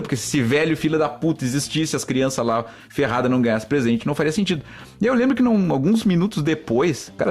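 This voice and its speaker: A Brazilian man with a slightly high, somewhat mellow voice tells stories on his solo podcast. His style is chatty and meandering, aimed straight at listeners he frequently addresses as "gente".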